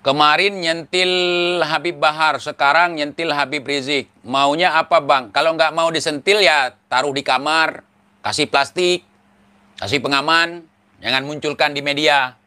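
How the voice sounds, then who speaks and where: A man's voice: a little high, steady tone, unhurried, bright, forceful tone. A man from Aceh, giving mocking, sarcastic commentary. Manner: mocking, teasing, laughs at his targets. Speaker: online commentator.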